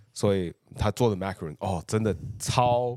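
Here is a plain, everyday voice from a man with fairly low pitch and lively intonation. The sound is dry and close, with no echo. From United States. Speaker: entrepreneur. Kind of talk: casual chat.

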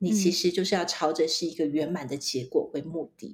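A somewhat breathy woman talks with a Taiwanese accent. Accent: Taiwanese Mandarin. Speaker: corporate trainer and podcast host. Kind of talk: interview.

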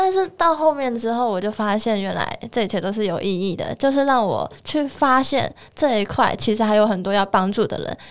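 Her fairly high voice moving quickly, a woman speaks with lively intonation. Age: 20s. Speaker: university student with part-time job, former juvenile offender. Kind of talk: personal testimony in interview. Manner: hesitant, many fillers.

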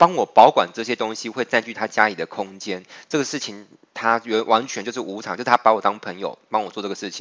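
Speaking at a very fast pace with a Taiwanese accent, a man keeps a medium pitch and ordinary pitch variation while his loudness swings widely. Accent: Taiwanese Mandarin. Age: 40s. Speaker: podcast host, storyteller. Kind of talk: casual storytelling monologue.

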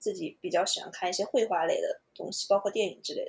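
A woman is speaking. Her pace is very fast. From mainland China. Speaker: game animator. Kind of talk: casual interview.

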